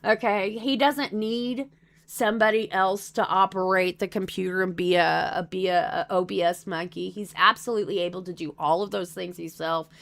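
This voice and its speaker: A woman's voice: medium pitch, steady tone, normal speed, vocal fry, fairly bright tone. A woman with a Texan drawl hosting a livestream, chatting casually and rambling with lots of swearing. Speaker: streamer host.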